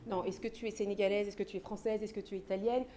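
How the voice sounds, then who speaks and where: A woman's voice: mid-range voice, level tone, very fast, warm tone, slight background noise. A woman from France, a singer being interviewed on a TV talk show, talking casually with frequent restarts. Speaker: guest singer.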